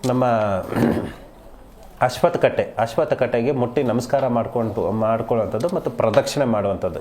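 A male astrologer talks to viewers and callers in a calm, soothing way. He stretches out the phrases he wants to stress. His voice sits at an ordinary middle pitch. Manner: calm, reassuring, stretches key phrases slowly. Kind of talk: live TV call-in advice.

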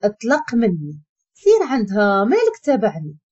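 A woman voicing a sharp, hurt young wife, speaking with a Moroccan accent in a clipped, pleading way. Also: medium pitch, huge pitch swings, moderate pace, slightly rough. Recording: dull lo-fi recording.

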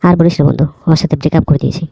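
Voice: mid-range voice, fairly even intonation, rapid-fire, gravelly, warm tone, slightly rough, dry recording. A performer voicing a broke, pleading cartoon friend who talks in a casual, chummy, coaxing way. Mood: aggrieved. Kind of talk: cartoon dialogue.

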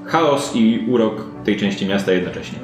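A man's voice: lowish voice, expressive, moderate pace, faint music behind. A man running a tabletop role-playing game, improvising descriptive narration in a conversational way. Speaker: game master. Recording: roomy, echoey indoor recording.

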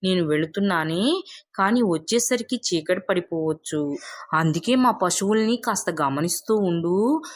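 A woman's voice: lowish voice, lively intonation, unhurried. A woman voicing a sly, pushy neighbour woman in a storybook tale, coaxing as she talks. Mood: wheedling.

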